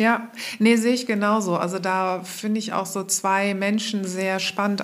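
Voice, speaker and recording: With audible room echo, a woman talks at a moderate pace in a monotone, flat intonation. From Germany, Mönchengladbach (Lower Rhine). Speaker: communication coach. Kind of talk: casual chat. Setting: remote call.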